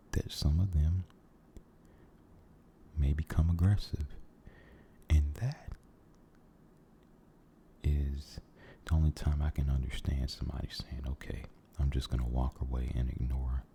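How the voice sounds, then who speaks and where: Very slow, whispering deep-voiced man. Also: vocal fry, a little hiss or hum. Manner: halting, gentle, repeats phrases. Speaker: ASMR video creator. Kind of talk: soft-spoken ASMR ramble, mostly whispered.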